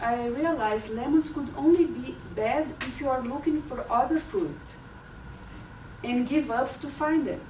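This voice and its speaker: The speaker has a southern Brazilian accent and ordinary pitch variation. Noticeable background noise can be heard. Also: woman. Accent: Brazilian Portuguese, southern tinge. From southern Brazil, Porto Alegre. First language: Portuguese. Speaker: lawyer, club speaker. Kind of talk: prepared club speech. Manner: halting, with fillers and restarts.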